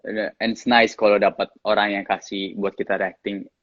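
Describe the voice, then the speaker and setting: A man with a slight English accent in his Indonesian, an actor chatting casually in an interview, relaxed and often laughing. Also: lowish voice, normal speed, no echo, lo-fi sound. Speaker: actor guest.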